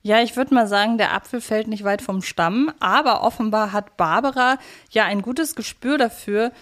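A woman's voice: a little high, normal speed, a bit bright. A woman co-hosting a podcast, chatting casually in a wordy, playfully analytical way. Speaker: podcast co-host. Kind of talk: casual chat, analysing a radio play.

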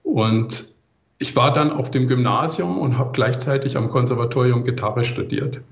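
Middle-aged man, creaky voice in a roomy space. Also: mid-range voice, normal speed, highs cut off. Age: middle-aged or older. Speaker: interview guest, composer. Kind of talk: conversational autobiographical interview answers.

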